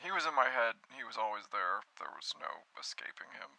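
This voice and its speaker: Man playing a bright-voiced, brooding, awkward young man. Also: mid-range voice, expressive, fairly quick, no room sound, rough recording. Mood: gloomy. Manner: hesitant, earnest, self-pitying. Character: brooding, awkward young man with sad childhood, earnest and naive. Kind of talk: naturalistic conversational cartoon spoof dialogue.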